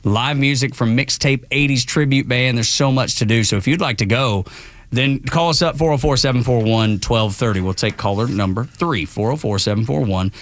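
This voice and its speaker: A man from Georgia co-hosting morning radio, quick to laugh and upbeat in his reactions. His voice sits at an ordinary pitch, and the studio sound is close and dry. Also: no echo. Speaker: radio co-host. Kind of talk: casual morning radio banter. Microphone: studio microphone.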